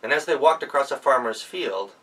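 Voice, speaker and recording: Animated American man telling a folktale. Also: mid-range voice, vocal fry, distant mic. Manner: dramatic pauses and repetition. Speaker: professional storyteller.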